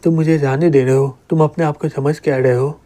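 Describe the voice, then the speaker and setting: A cocky young male fighter, all threats and bluster, read by a man narrating a comic. His voice sits a little high and soft. The delivery is plain storybook reading rather than full acting. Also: steady tone, fairly quick, lightly acted. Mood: threatening. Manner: threatening, shouting.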